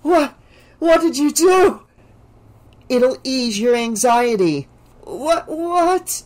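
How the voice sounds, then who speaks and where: A woman's voice: slow pace, darkish tone. A narrator putting on Kristen, a panicked drugged young woman. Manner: shrill screaming, then slurred. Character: exhausted, drugged young woman, frantic and defiant. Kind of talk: audiobook character voice.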